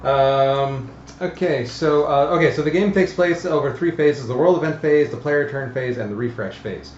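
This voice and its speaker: A man hosting a casual tabletop game stream, explaining the rules in a halting, hesitant way. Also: mid-range voice, a little mellow. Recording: roomy, dull audio with faint noise.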